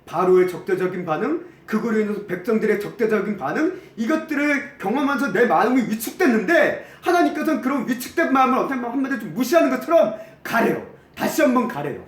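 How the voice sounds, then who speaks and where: A man preaching a sermon as pastor, animated, acting out the quoted complaints. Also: extremely high pitch, fast, hardly any pauses, reverberant. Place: church sanctuary.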